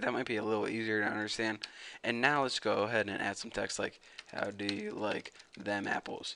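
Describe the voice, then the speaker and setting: This man talks at a very fast pace with monotone, flat intonation. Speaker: programming tutorial instructor. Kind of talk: tutorial. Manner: casual, conversational.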